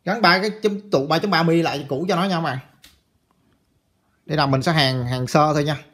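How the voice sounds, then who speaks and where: A chatty man walks viewers through a circuit board repair at his workbench. His voice sits a little high for a man, and he keeps repeating phrases and calling out to the audience as he works. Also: brisk, a bit bright. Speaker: electronics repair instructor. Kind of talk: casual hands-on repair tutorial.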